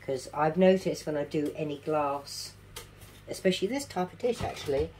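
A woman's voice: deep voice, animated, moderate pace, a little mellow, husky. A middle-aged woman with toothless, slightly slurred articulation, giving a casual step-by-step craft demonstration and repeating key steps as she instructs. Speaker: craft tutorial presenter. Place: indoors at a home craft table.

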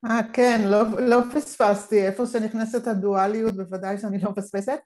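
A woman's voice: medium pitch, fairly even intonation, a little mellow. A woman speaking reflectively and expansively in an online panel discussion, talking over a video call from her living room. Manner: reflective, expansive, thinking aloud. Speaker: panel participant.

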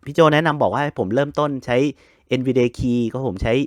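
A man of ordinary pitch explains a screen reader in a loose, chatty way, spelling out each key combination as he goes. The sound is dry and close, with no room echo. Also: steady tone, fairly quick. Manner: chatty, spells out keystrokes step by step. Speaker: host of a computer help channel. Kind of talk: casual screen-reader tutorial.

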